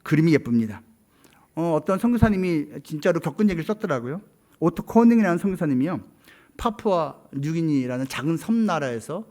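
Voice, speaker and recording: A male pastor preaching a sermon and telling a story, swinging from loud exclamations to near-whispers. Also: on the high side.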